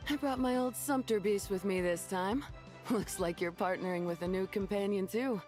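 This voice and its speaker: A woman voicing a friendly, upbeat young beast tamer in a game, confident and warm in her words. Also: mid-range voice, normal speed, faint music behind, natural voice. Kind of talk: game voice acting.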